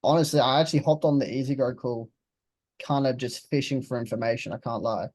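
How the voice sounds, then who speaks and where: A young man of about twenty chats in a relaxed, blunt way, swearing now and then. His voice is mellow and warm, and the recording sounds dry and close. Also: medium pitch, brisk, no echo. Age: 20s. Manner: laid-back, blunt, swears casually. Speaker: interviewed client. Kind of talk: casual interview chat.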